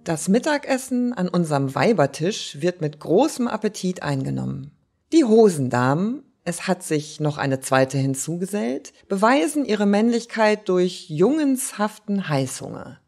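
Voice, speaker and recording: A woman giving a lively, wry reading of old letters and diary entries. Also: lowish voice, measured pace, faint music behind. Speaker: reader.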